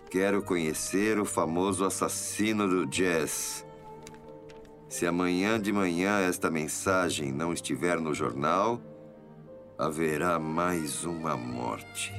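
A 1940s Brazilian police detective in a noir audio drama. His voice is very deep, grave and authoritative, with faint music behind it. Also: fairly bright tone.

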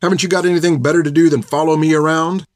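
A defiant, sharp-tongued teenage girl, as a male storyteller puts her on in a lifted voice. She snaps back and throws insults without holding back. The sound is dry and close. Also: on the high side, lively intonation, a little fast, slightly rough, no echo, pitched above the performer's own voice. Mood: furious.

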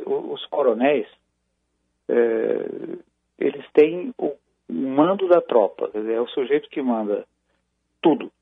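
A Brazilian commentator analyses military matters in a phone-in news segment, his line tinny and the recording dry. Gravelly and medium in pitch, his voice moves in a measured, halting way, restarting frequently.

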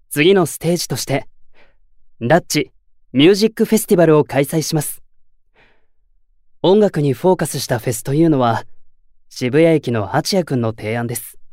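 A man acting a composed, earnest young idol leader in an audio drama, speaking in polite, measured formal phrases. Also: a little high, darkish tone, no echo, clean studio sound, lightly acted.

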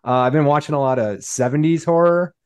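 A man's voice: a little high, darkish tone, clear, resonant tone, no echo. Guy guest on a podcast, lots of uhs, dry close sound. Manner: halting, many ums and uhs. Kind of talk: casual chat.

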